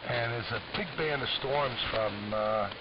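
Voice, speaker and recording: A man's voice: medium pitch, measured pace. A man chatting casually as an amateur radio operator over an AM shortwave transmission. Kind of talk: casual ham radio chat. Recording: dull AM radio with clear static. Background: radio static.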